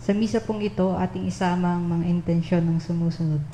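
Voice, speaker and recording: A woman speaks at a fairly quick pace with fairly even intonation. Noticeable background noise runs underneath. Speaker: announcer reading mass intentions. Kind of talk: reading aloud a list of names.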